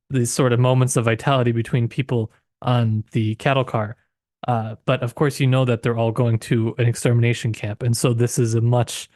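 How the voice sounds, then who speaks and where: A low-pitched man talks through a book as a podcast co-host. He is reflective and halting, feeling his way to each phrase, in a dry, close-sounding space. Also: darkish tone, dry recording. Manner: reflective, halting, searching for words. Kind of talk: unscripted literary discussion.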